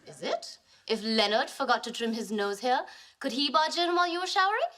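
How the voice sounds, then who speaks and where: A confident young woman argues like an unruffled lawyer. Her voice is high, and her sitcom delivery is crisp and legalistic. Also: a little fast, a bit bright. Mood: cool, assertive. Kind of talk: sitcom acting.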